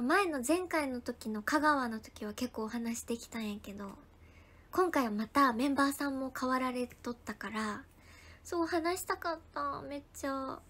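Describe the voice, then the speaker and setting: A young woman with a bright, high voice chats casually with her livestream viewers. She thanks people one by one and keeps dropping into hushed, whispered asides. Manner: chatty, thanks viewers by name, drops into soft whispered asides. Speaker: idol livestreamer. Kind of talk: casual livestream chat reading viewer comments.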